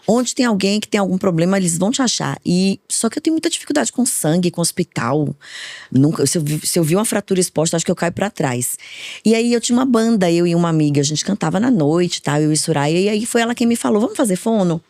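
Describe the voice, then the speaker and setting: A woman in her forties, a speech therapist raised in Bahia, telling lively stories as a podcast guest. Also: lowish voice, no room sound, studio quality. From Brazil, from Minas Gerais, raised in Bahia. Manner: fast, lively storytelling. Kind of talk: podcast interview.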